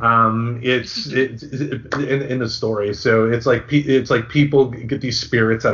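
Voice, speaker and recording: Speaking at a medium pitch with fairly even intonation, a man with an American accent is heard over noticeable background noise. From Michigan, Grand Rapids. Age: 40s. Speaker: podcast host. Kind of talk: casual chat. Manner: halting, many fillers and repeats.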